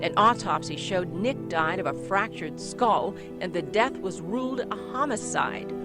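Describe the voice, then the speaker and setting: Lady news reporter reading her story, steady and measured, music under it. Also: on the low side. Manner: measured, even news delivery. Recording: news clip with music behind.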